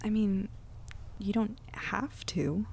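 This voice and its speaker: Actress as earnest young heroine in an audio drama, mellow n croaky with lots of fry, supportive. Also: female voice, mid-range voice, takes it slowly, slight background noise. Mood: gentle, encouraging. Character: Avra, guilt-ridden, supportive young woman, determined hero.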